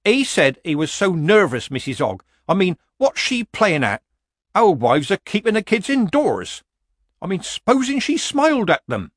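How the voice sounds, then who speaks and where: A man's voice: sits high, huge pitch swings, dry recording, clean studio sound, voice pushed up, heavily acted. A man voicing a nervous, complaining male villager who stumbles over his words. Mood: flustered. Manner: anxious, flustered, halting.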